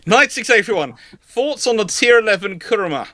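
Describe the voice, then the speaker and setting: A man's voice: high voice, expressive, fairly quick, sharp tone, no room sound. A man hosting a casual live question-and-answer chat. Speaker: host.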